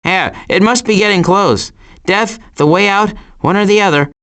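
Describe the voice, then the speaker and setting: A man voicing a sardonic, glib animal adventurer in an animated video game, with dry sarcasm and deadpan asides. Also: high-pitched, moderate pace.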